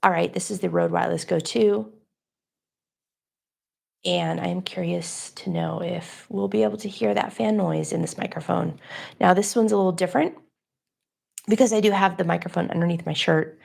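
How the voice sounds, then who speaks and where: A soft-spoken woman in her home studio, explaining her audio setup in a conversational, explanatory way. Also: lowish voice, fairly even intonation, moderate pace, creaky, long pauses. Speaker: audio gear reviewer. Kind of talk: livestream gear demo. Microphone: changing between studio mics.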